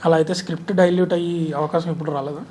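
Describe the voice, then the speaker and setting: High-voiced, quick male interviewer. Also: steady tone, darkish tone. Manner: probing, persistent questioning. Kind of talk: casual interview questions. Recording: faint background noise.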